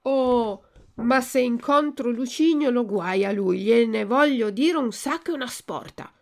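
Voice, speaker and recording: Woman doing a scared little wooden puppet boy, whiny and loud, cries high up. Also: unhurried. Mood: remorseful. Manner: wailing, pleading, rising to cries.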